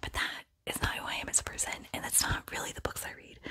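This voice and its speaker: The speech is whispered. Noticeable noise sits in the background. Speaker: ASMR content creator and book reader. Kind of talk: casual talk to camera introducing videos. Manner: whispered, soft.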